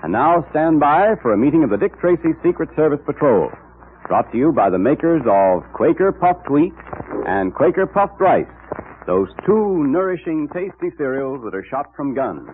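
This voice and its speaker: A man's voice: fairly high pitch, big pitch swings, moderate pace. An American man announcing in an emphatic, dramatic old-time radio style, reading scripted copy like a salesman. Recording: scratchy, tinny old radio recording.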